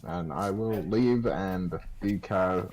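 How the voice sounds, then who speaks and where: A man's voice: deep voice, darkish tone. A man running a tabletop game as game master, his voice chat audio choppy with words cutting out as he restarts and trails off. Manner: halting, restarts cut-off words. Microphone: computer microphone on voice chat. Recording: choppy online voice chat with faint noise.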